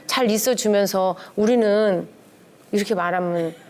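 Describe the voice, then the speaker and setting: A woman's voice: mid-range voice, moderate pace. A middle-aged woman, a pastor's wife, giving a conversational lecture on family relationships to a church class, acting out little bits of dialogue as she goes. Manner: lively, acts out quoted dialogue with shifting tones.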